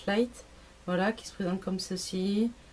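The voice belongs to a woman. She keeps her intonation fairly level. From France. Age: 20s. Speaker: YouTuber; vlogger. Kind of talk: casual vlog chat. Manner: hesitant, many fillers. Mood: relaxed, reminiscing. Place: home room. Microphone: camera far.

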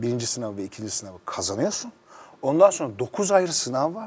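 Pitched at a medium level, a man speaks with very wide pitch swings. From Gaziantep, Turkey; Turkey. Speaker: actor and writer; actor. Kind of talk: casual chat. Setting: studio. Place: studio. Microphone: lapel.

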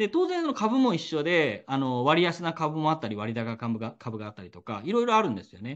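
Hardly pausing, a man speaks at a fairly quick pace in a fairly high pitch, with very wide pitch swings and big swings in loudness. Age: 50s. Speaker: individual investor. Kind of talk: lecture.

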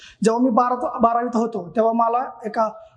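A man's high-pitched voice. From Maharashtra, Solapur district. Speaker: police sub-inspector, exam topper. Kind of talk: success-story testimonial.

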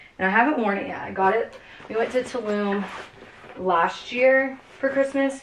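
Lively intonation from a woman. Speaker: vlogger. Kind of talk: casual vlog chat. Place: home room. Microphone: camera far.

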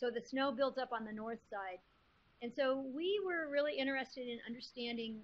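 Speaking at a moderate pace with an American accent, a woman has a high pitch and ordinary pitch variation. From Tucson, Arizona, US Southwest. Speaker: university researcher. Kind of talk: live video talk presenting research. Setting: video call. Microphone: video call.

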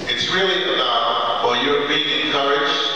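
At a moderate pace, a man speaks in a room with strong echo and light background noise. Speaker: keynote speaker. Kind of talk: speech. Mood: warm, encouraging. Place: hall. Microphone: handheld.

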